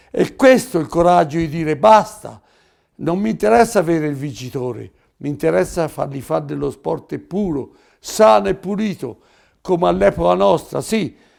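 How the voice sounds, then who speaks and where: On a very clean recording with a silent background, a man with a fairly high pitch talks at a moderate pace, his pitch swinging very widely. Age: 80s+. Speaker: retired pro cyclist and race organizer. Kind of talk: interview. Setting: at home. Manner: animated.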